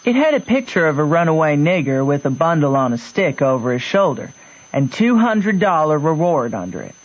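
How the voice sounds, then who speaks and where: A man's voice: fairly high pitch, big pitch swings, normal speed. An actor in a radio drama playing a shrewd country boy who narrates in a plain, folksy way with a Southern American accent. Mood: wry, matter-of-fact. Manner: folksy, matter-of-fact storytelling. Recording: dull lo-fi radio recording.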